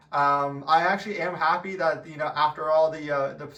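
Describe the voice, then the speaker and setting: A man at a fairly high pitch with a bright, sharp tone, fairly even intonation and a moderate pace. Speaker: gaming YouTuber. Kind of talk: gameplay commentary. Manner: halting, stuttering; casual, filler-heavy.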